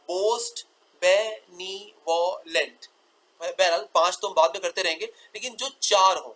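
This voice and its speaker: High bright husky male grammar teacher. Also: poor audio. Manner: explains slowly, repeats key terms as questions; draws out example words slowly. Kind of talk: explaining grammar in a lecture.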